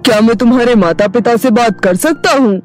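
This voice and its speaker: A woman voicing a polite middle-aged man visiting a village home in an animated story. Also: on the high side, a little fast, soft background music, lightly acted. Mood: courteous. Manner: courteous and formal.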